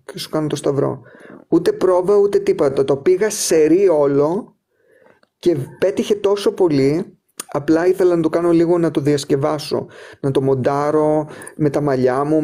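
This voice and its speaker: A man chatting casually as a live stream host, talking in quick, lively bursts. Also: on the high side. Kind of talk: casual chat.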